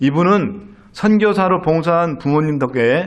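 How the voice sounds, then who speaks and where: A man speaks with lively intonation. Room echo is audible. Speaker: pastor. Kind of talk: sermon.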